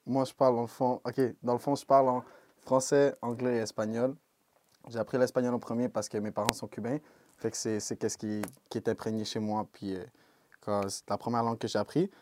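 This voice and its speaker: A young man with a Québécois French accent, a rapper answering interview questions in a relaxed way and dropping English slang. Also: mid-range voice, fairly quick, dry recording. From Quebec, Canada. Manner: laid-back, peppered with English slang like "yo" and "bro". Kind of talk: casual interview talk.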